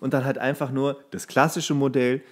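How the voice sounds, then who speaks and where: A man with a medium-pitched voice chats as a podcast co-host among friends. He tells anecdotes in loose, slangy language. He slips into little quoted lines as he goes. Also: flat delivery, moderate pace. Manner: colloquial, slangy, acting out quotes while storytelling. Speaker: podcast co-host, former bartender. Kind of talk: casual anecdote chat between friends.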